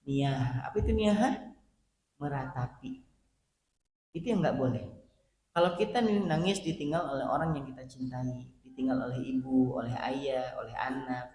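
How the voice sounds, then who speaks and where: A male preacher giving an animated sermon to a women's study group, acting out quoted voices as he talks to them directly. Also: mid-range voice. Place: mosque hall. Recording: roomy mosque hall, faint background hum.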